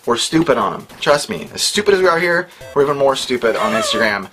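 A man's voice: mid-range voice, sing-song, fast talker. A man hosting a retro video game vlog in casual chat, jokey, loose and rambling. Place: indoors, game shop. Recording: voice over loud background music.

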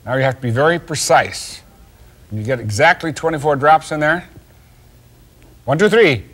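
An older man hosting a science show, patiently explaining an experiment step by step to a child with gentle teasing, recorded on a studio kitchen set. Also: a little high, normal speed, breathy edge.

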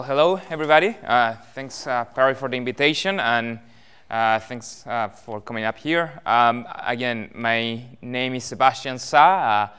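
Chilean man, 30s, clear smooth voice, casual presenter with lots of "uh"s, speaking in a meeting hall. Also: medium pitch, fairly bright tone. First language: Spanish. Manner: friendly, many fillers, gestures with hands. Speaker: guest speaker, almond research manager. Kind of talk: presentation to growers. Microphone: far camera, no mic seen.

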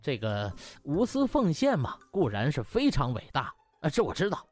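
A man's voice: on the high side, wildly swooping pitch, moderate pace, faint music behind. A man voicing a cheeky young male doctor in an audiobook, smug, mock-polite and wheedling. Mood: mock-humble. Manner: mock-polite, wheedling, chuckling colloquial talk.

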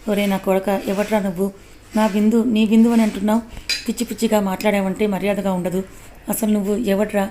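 A woman voicing an angry young husband who shouts threats over the phone, speaking in her own mellow, even voice. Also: medium pitch, fast, a little hiss or hum, natural voice. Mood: furious. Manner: shouting threats, then sobbing confession. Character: angry young husband searching for his wife.

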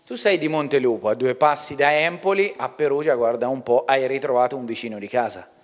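A man's voice: mid-range voice, a little fast. Chatty male sports interviewer, reverby room. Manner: chatty, leading questions. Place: indoor club museum room. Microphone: handheld mic.

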